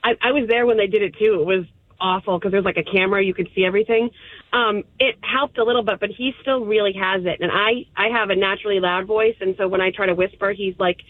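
A woman's voice: medium pitch, steady tone, quick pace, no room sound. Chatty woman caller on a tinny phone line. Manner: chatty, rambling with fillers. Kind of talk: phone call-in.

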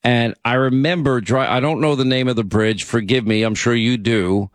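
A man with a mid-range voice hosts a call-in radio show, chatting casually in a rambling way and often cutting himself off. His tone stays steady and his pace moderate. The recording is studio quality with no room sound.

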